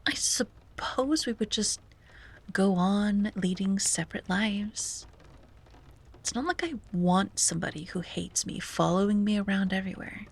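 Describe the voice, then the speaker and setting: A woman playing a wistful, self-doubting young sea-witch in an ASMR roleplay, speaking softly and breathily with hesitant musing and frequent drops to a whisper. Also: medium pitch, fairly even intonation, unhurried. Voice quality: breathy, often dropping to a whisper. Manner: hesitant, musing, sighing, gently playful. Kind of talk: ASMR roleplay, soft intimate monologue.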